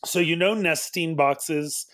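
A man's voice: on the high side, takes it slowly, a bit bright. A man telling a personal story casually as a podcast guest.

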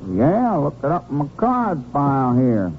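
A cagey hiring-hall dispatcher with a somewhat high male voice. He is laconic, offhand and wry. It is an old radio drama, muffled and faintly noisy. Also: huge pitch swings, unhurried, full character voice. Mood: businesslike. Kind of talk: 1950s radio drama acting.

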